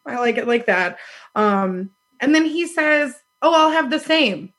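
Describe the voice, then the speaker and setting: A woman in her thirties tells a dating story in loose, casual chat. Her voice is husky, loud and a little high. She acts out what people said and laughs often. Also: unhurried. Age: 30s. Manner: animated, laughs often, acts out quoted lines. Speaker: podcast guest telling a dating story.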